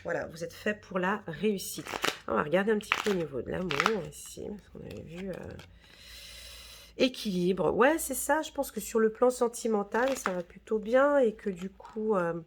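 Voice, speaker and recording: A woman's voice: medium pitch, expressive, moderate pace, background noise. A woman giving a casual, reassuring tarot reading, full of fillers and "d'accord?" checks. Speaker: tarot reader.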